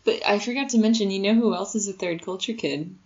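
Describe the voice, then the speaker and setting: A woman's voice: mid-range voice, fast talker, a little mellow, muffled recording. A woman co-hosting a podcast in a chatty, casual way, retelling stories and quoting people. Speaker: podcast co-host. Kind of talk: casual chat. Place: Shenzhen.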